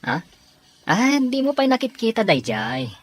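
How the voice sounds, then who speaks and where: A woman voicing an easygoing, teasing young man in an Ilocano Filipino audio drama, with a husky voice. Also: on the high side, sing-song, normal speed. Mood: teasing, friendly.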